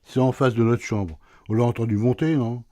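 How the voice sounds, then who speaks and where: A man's voice: mid-range voice, steady tone, moderate pace, mellow, no echo, natural voice. Guy doing a groggy sarcastic husband, radio play, dead dry booth sound. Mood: grumpy, teasing. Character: sleepy teasing husband, middle-aged, sarcastic. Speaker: husband woken at night.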